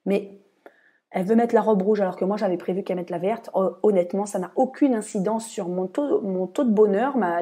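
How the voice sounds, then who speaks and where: A woman's voice: mid-range voice, mellow, slightly rough. A woman hosting a podcast, explaining her views in an earnest, casual monologue. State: tired. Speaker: podcast host.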